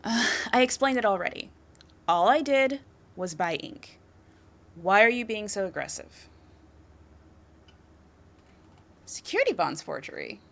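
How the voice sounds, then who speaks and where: A woman acting a flirty, smug white-collar crime suspect in an audio roleplay, teasing and coy, with a confident, drawn-out delivery. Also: mid-range voice, very animated, vocal fry, fairly bright tone. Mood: amused, defiant.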